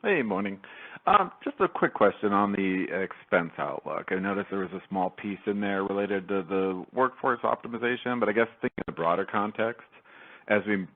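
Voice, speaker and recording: A man's voice: on the low side, normal speed. A man, a financial analyst, putting questions on a conference call. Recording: narrow tinny phone line.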